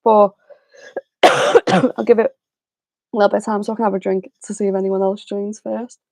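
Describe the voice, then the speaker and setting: A young woman with a slightly raspy voice, talking casually to her livestream viewers with lots of fillers. Her delivery stays fairly level without big swings in pitch. She sounds close to the mic in a dry room with no echo. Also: moderate pace. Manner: chatty, relaxed, many fillers. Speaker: host of a football livestream. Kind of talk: casual live chat.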